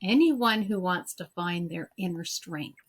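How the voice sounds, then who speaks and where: A woman's voice: lowish voice, expressive, measured pace, slightly rough. A woman whose first language is French, talking earnestly as a guest in a conversational interview. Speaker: interview guest, EFT practitioner.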